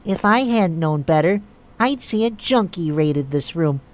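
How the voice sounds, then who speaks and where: A woman's voice: fairly low pitch, animated, measured pace, a little mellow. A woman playing an earnest, trusting, mildly exasperated nurse in an audio drama, with a polite, questioning way of talking. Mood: earnest, reassuring.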